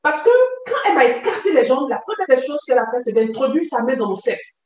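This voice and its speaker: Woman telling her story, high voice swooping all over, big echo. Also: fast talker, muffled recording. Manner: vivid, animated retelling. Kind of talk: personal testimony. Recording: very echoey, distant from mic.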